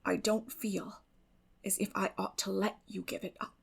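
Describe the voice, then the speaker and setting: A woman plays a reserved older country woman in a classic storybook drama. Her voice is subdued and creaky, and she speaks plainly and haltingly, with tenderness underneath. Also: mid-range voice, level tone, full character voice. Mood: reluctant. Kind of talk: dramatic audiobook reading of a classic novel.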